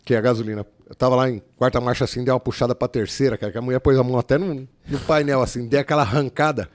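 A man's voice: medium pitch, very fast. A man from São telling a story in casual, slangy talk, acting out the voices. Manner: animated, slangy, acts out voices. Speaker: guest.

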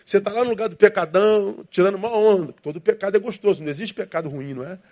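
A pastor delivers a sermon in a high voice. He preaches with emphatic repetition and acts out inner voices to make his point. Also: rapid-fire, darkish tone.

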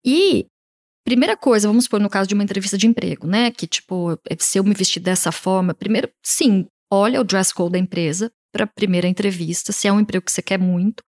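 A Brazilian woman with a Brazilian Portuguese accent, an image consultant answering interview questions in an animated way, often voicing what her clients say. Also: medium pitch, quick pace. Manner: animated, talks in quoted client voices.

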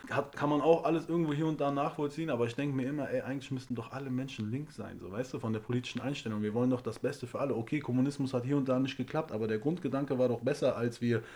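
A young adult man from Germany, a comedian, telling an animated story in casual chat and often asking whether he is understood. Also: mid-range voice. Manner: rapid, animated, frequent "you know what I mean" asides.

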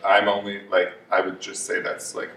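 A man's voice: lowish voice, completely flat delivery, normal speed, fairly bright tone, echoey room, far from the mic, slight background noise, poor audio. A man in his late twenties on a panel, speaking frankly and rambling with lots of "like". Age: 20s. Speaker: panelist, artist. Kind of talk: casual panel discussion.

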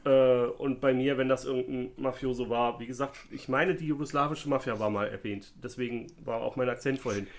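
A man's voice: medium pitch, steady tone, a little fast, hardly any pauses. A man co-hosting a casual talk about a crime case, speculating in a joking, rambling way. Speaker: podcast co-host.

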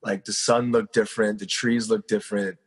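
A man in his twenties tells his life story as an interview guest, earnest and chatty. His voice sits low and has a husky, breathy edge. He talks like a pastor sharing with a friend. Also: level tone, moderate pace. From South Korea. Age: 20s. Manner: earnest, conversational, heavy on fillers.

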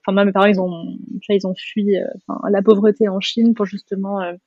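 A woman in her thirties talks casually as a podcast guest, with many fillers and a relaxed, chatty flow. The audio is dry and slightly dull. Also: mid-range voice, fast talker, dry recording. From France. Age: 30s. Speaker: guest, restaurant founder. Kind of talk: casual interview chat.

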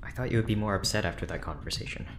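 An actor playing a grave, principled prisoner in an audio drama, formal and measured, stiffly doubtful. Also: low-pitched, noisy background, natural voice. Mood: puzzled, resigned.

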